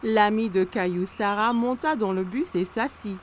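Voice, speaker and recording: A woman's voice: mid-range voice, moderate pace, a little hiss or hum, natural voice. A woman narrating a children's cartoon in storybook style. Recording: music behind the voice.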